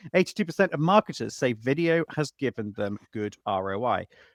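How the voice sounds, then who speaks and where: A man with a West Country accent speaks at medium pitch, his pitch swinging very widely. The recording is very clean with a silent background, and the sound is dry and close with no echo. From England, Bristol. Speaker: marketing podcast co-host. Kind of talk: casual podcast chat. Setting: live stream.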